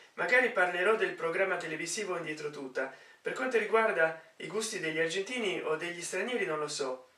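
Audible room echo surrounds a man whose high pitch shows ordinary pitch variation. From Italy, Rome area (Casal Palocco). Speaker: YouTuber vlogging to followers. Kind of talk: casual video monologue. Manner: unscripted, hesitant with fillers. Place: home room. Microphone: camera far.

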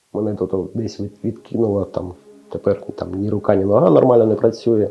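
A man speaks at a fairly low pitch. His pace is moderate and his intonation fairly even. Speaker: soldier, former TV cameraman. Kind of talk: interview testimony. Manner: halting, with fillers.

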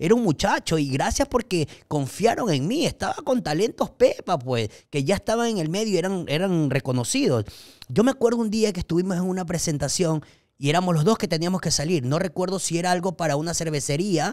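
The intonation is lively and the pace fairly quick. The background is quiet. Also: man, high pitch for a man. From Ecuador. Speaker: podcast host. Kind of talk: casual interview chat. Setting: studio. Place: studio. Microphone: studio mic.

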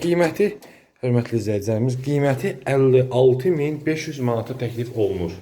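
Medium in pitch and with ordinary pitch variation, a man talks in a normal speaking voice. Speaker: real estate agent. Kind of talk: property tour sales pitch.

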